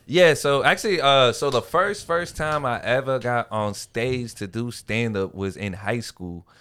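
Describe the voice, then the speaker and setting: A man with an American accent speaks at a fairly slow pace with hardly any pauses, on a very clean recording with a silent background. His medium-pitched voice has a bright, sharp tone and lively intonation. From Boston, Massachusetts (Dorchester). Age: 30s. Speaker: comedian and puppeteer. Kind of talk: casual chat. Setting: studio.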